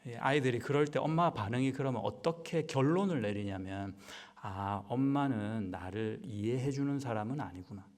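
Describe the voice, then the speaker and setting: A man's voice: mid-range voice, normal speed, hardly any pauses, darkish tone. A man pastor preaching a Wednesday sermon in a conversational style, asking the congregation rhetorical questions. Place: church sanctuary. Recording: long church hall reverb.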